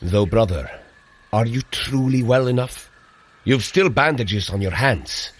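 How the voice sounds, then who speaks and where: An actor playing a hearty, earnest, protective warrior god in a scripted audio drama, with a husky voice and formal archaic diction. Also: male voice, lively intonation, unhurried, a little hiss or hum, lightly acted. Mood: brotherly concern. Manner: formal archaic diction, booming when rallying.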